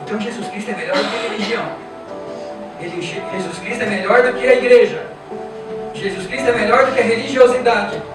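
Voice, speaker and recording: A man with a Brazilian Portuguese accent preaches in an emphatic, repetitive way, firing rhetorical questions at his congregation. His voice is heard from a distance with heavy echo, and music plays clearly behind him. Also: high-pitched, a little fast. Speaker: pastor. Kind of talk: sermon. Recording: echoey church from afar with music.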